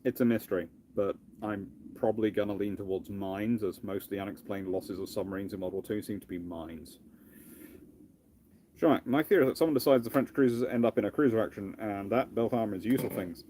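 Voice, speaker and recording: Low-voiced British man, rambling live chat. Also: fairly quick, dark tone, a little hiss or hum. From United Kingdom. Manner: rambling, discursive, often breaking off to restart phrases. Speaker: livestream host, history lecturer. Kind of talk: casual live question-and-answer talk.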